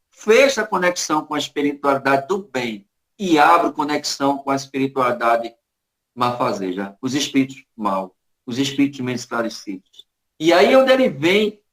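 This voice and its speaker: High-voiced Brazilian spiritist lecturer. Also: male voice, fairly bright tone. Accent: Brazilian Portuguese. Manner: storytelling, dramatic, varied emphasis.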